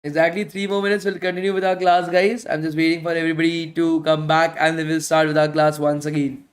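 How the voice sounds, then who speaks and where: A man's voice, on the high side with little pitch movement, moves at a quick pace as he teaches a live online bootcamp. He takes questions in casual talk, repeats himself, says "guys" at the end of phrases, and is losing his voice from daily speaking.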